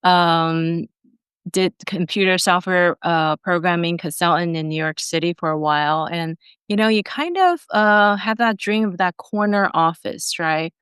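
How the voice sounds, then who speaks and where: Woman, 40s, from Taiwan, podcast guest, earnest, reflective, lowish voice, dry sound. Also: a little slow, a bit bright, smooth, dry recording. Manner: earnest and reflective, with fillers and restarts. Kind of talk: conversational interview storytelling.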